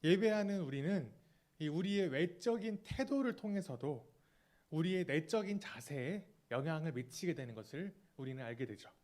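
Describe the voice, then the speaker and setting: A man in his thirties preaching a sermon as pastor, earnest and confessional, often trailing off softly, with small fillers and restarts. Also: on the high side, lively intonation, moderate pace. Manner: fillers and self-corrections.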